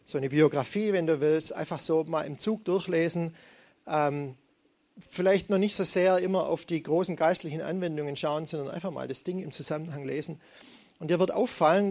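A man's voice: on the high side, a little mellow. A middle-aged man preaching a sermon, retelling scripture in a conversational, storytelling manner.

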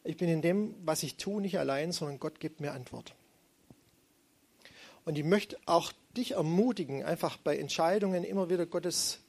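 A man's voice: on the high side, moderate pace, vocal fry, darkish tone, slightly rough. A middle-aged man preaching a sermon, retelling scripture in a conversational, storytelling manner.

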